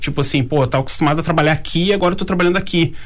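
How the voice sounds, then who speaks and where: Speech comes at a very fast pace with ordinary pitch variation. Noticeable background noise runs underneath. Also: man. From southern Brazil, Rio Grande do Sul. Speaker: audiovisual professional and former electrician. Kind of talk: radio interview.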